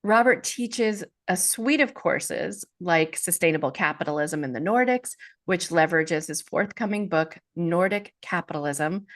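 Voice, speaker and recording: A woman hosting an interview podcast, reading a guest's bio and asking questions with enthusiasm. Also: fairly low pitch. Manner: enthusiastic, upbeat. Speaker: podcast host.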